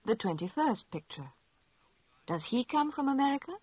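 A woman asking measured, clearly spoken questions in a scripted language lesson drill. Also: fairly high pitch, very animated, a little mellow, dry recording. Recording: dull lo-fi dry recording.

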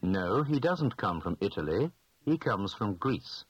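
A man giving slow, clearly spoken answers in a scripted language lesson drill. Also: lowish voice, big pitch swings, no room sound, lo-fi sound.

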